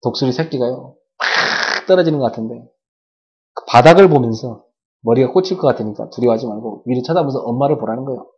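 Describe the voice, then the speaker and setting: A man preaching a sermon at a church service, animated, tossing sound-effect words and questions to the congregation. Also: medium pitch, fast. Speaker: pastor. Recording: dull lo-fi church video recording.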